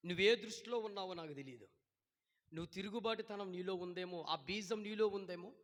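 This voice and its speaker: A pastor preaching a sermon, who keeps asking his congregation questions and shouts at times. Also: high voice, brisk, long reverb tail.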